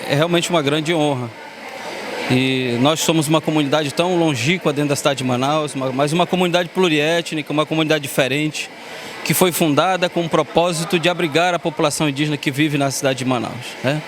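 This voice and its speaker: A man with a Brazilian Amazonas accent speaks as a community leader in a news interview, earnest and full of restarts. His voice sits a bit high for a man. Clear outdoor noise with passing vehicles runs behind him. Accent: Brazilian Portuguese, Amazonas. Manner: halting, restarts often, earnest.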